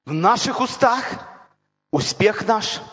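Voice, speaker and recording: A man preaching a sermon with impassioned, repetitive build-ups that rise to shouts. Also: high-pitched, expressive, takes it slowly, breathy edge. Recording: dull lo-fi recording in a reverberant hall.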